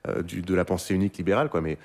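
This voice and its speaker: A man's voice: deep voice, steady tone, a little mellow. A man, a spokesperson guest, answering in a radio studio interview, hesitant and full of fillers. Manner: rapid, hesitant, many fillers and restarts.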